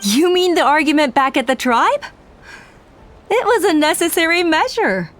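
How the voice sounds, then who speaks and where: An actress playing a proud, ruthless female tribal leader in a video game, speaking in measured, persuasive, self-justifying speeches. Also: high-pitched, big pitch swings, a bit bright. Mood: self-righteous, calculating. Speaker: game character voice actor. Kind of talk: dramatic video game voice acting.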